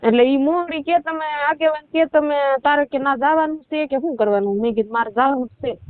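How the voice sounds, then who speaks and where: Over a muffled telephone line, a woman with a rural Saurashtra Gujarati accent seeks help with a marital dispute. Her voice is high-pitched and a little fast with no room sound, and she tells a rambling, colloquial story full of reported dialogue.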